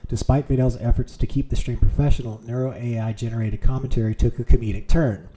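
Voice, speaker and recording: A man's voice: medium pitch, steady tone, fast, mellow, slight background noise. A man streaming from home, reading aloud with amused reactions, with keyboard clicks nearby. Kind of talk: casual streaming commentary.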